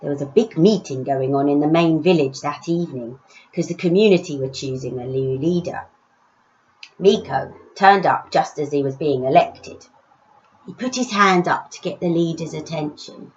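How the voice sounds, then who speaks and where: Woman, slightly low voice, author reading, expressive storytelling for children, somewhat muffled recording. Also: moderate pace.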